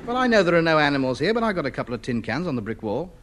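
A man's voice: on the high side, big pitch swings, racing, fairly bright tone, some chatter behind, a little hiss or hum. An actor playing a vain, self-important man who clings to faded grandeur, in a 1950s radio sitcom. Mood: bantering. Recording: old radio broadcast.

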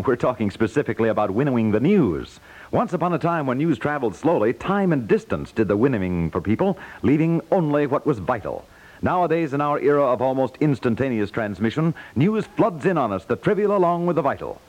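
A man's voice: mid-range voice, darkish tone, low-quality recording. A man reading scripted announcements as a 1950s radio announcer.

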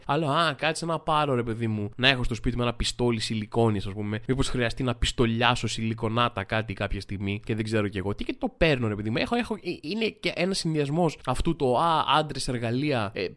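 Rambling, self-mocking young man. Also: a little high. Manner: rambling, self-mocking, acts out quoted voices. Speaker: podcast host. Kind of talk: casual comedic monologue.

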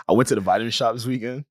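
A man's voice: medium pitch, slightly rough, no echo, clean studio sound. A man with an African American accent in casual, slangy podcast banter, joking as he hosts. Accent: African American English. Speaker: podcast host.

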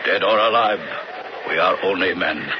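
A man playing a solemn, reverent tribal guide in a western radio drama, speaking gravely in terse, formal phrases. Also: deep voice, moderate pace, lightly acted. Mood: grave, hushed. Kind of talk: old-time radio drama acting. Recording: dull, noisy vintage radio recording.

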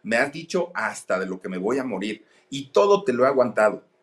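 A man's voice: mid-range voice, big pitch swings, fairly quick, close to an everyday voice. A man voicing a fed-up, frightened young wife who firmly stands up to her husband. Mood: defiant. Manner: firm, emphatic confrontation.

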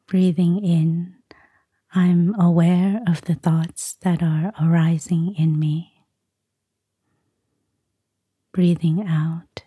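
A woman speaking in a soft, breathy near-whisper, calmly and soothingly guiding a meditation. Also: lowish voice, dry recording, clean studio sound. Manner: calm, slow, soothing. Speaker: Buddhist nun, meditation guide. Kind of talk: soft-spoken guided meditation.

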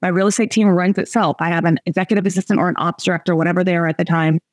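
Recorded dry and at studio quality, this forties-aged coach and host speaks rapid-fire in a fairly low, steady voice. Her motivational group talk is chatty and emphatic, punctuated by frequent laughter and direct address to the audience.

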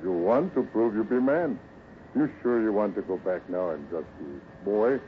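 A man's voice: lowish voice, very animated, normal speed, creaky. A man playing a loyal, protective Indian scout who speaks broken English with a few Spanish words, in a 1950s radio adventure. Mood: calm, reassuring. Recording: muffled, faintly hissy 1950s radio recording.

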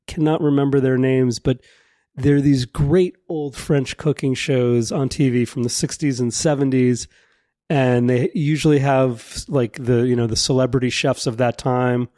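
A man's voice: medium pitch, steady tone, unhurried, warm tone, no room sound. Male co-host, enthusiastic, chatty, dry close sound. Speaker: podcast co-host. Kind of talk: conversational interview hosting. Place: venue on a city pier.

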